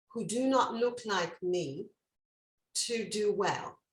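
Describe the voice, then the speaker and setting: A woman with an English accent speaks very slowly and somewhat breathily. Her pitch is medium, with ordinary variation. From England. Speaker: lawyer, audience participant. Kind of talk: audience question in online masterclass. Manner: halting.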